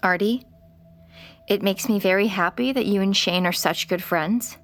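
A woman's voice: medium pitch, normal speed, natural voice. An actress in her thirties playing a worried mother in an audio drama, firm but kind. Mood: firm, caring. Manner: firm, caring.

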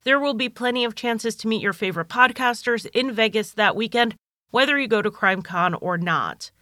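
Woman podcast host, chatty and organized, slightly nasal from a cold, bright tone, dry close sound. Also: fairly high pitch, normal speed, no room sound. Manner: chatty and organized, talks straight to listeners. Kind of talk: casual solo podcast monologue.

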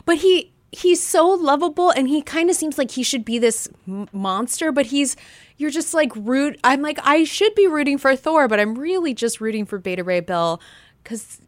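A woman with a high voice, recorded close and dry, co-hosts a chatty podcast. Her delivery is playful and giggly, slipping jokey asides into what she presents. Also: lively intonation, moderate pace, dry recording. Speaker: podcast co-host. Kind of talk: playful comics chat podcast.

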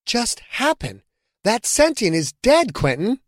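A man's voice: very high-pitched, huge pitch swings, takes it slowly, no room sound, clean studio sound, pitched above the performer's own voice, heavily acted. A man voicing a shaken young woman football player in an audiobook, pleading and upset. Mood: distressed.

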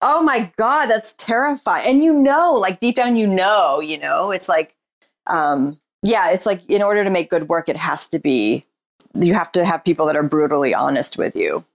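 A woman guest, a writer and performer, talking candidly and reflectively in a casual interview, often pausing on "like" and "you know.". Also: fairly low pitch. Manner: describes herself as shy and introverted.

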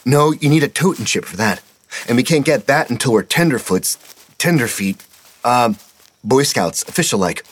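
A man voicing an eager young boy scout, talking high and breathless. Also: lively intonation, normal speed, close to an everyday voice.

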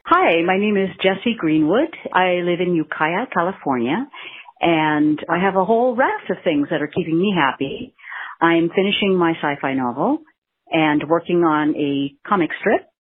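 A woman's voice: lowish voice, expressive, normal speed, breathy edge. A woman leaving an upbeat voicemail message as a listener caller, listing her hobbies with small laughs. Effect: leaving a voicemail over a phone line. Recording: tinny phone-line voicemail.

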